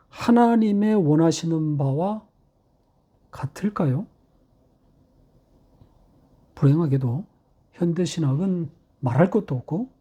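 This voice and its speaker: A middle-aged male pastor preaching a sermon, posing rhetorical questions and slowing down to stress key phrases. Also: high voice, mellow. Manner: rhetorical questions, measured delivery with slowed emphatic phrases.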